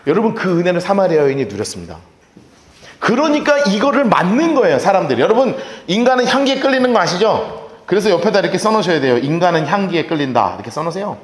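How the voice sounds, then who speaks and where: A male pastor giving a sermon, lively and humorous, acting out voices of the people he describes. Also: sits high, quick pace. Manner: animated, acts out quoted speech; humorous asides to the congregation. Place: church sanctuary. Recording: reverberant church hall.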